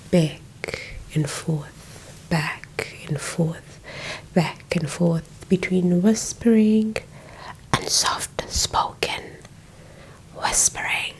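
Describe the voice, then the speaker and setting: A young South African woman with a South African accent, whispering an ASMR lesson as she recovers from flu, softly repeating words into a close mic. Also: fairly low pitch, poor audio. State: recovering from flu, a little hoarse. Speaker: ASMR creator. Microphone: close microphone.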